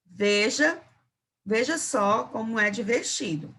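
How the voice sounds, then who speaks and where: A woman teacher giving a remote lesson to young children, speaking slowly and encouragingly. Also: on the high side, expressive, a bit bright. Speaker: primary school teacher.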